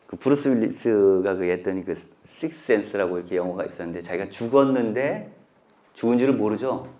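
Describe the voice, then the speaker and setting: A male professor giving a humanities lecture, telling stories in a lively, conversational way and acting out the lines he quotes. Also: fairly low pitch. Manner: conversational, asks listeners to look closely.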